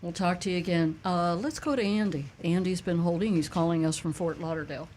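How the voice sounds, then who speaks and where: Co-host lady, lowish voice, chatty and easygoing, faint hiss. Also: fairly quick, a little mellow. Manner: easygoing, chatty, lots of fillers. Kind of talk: radio talk show chat.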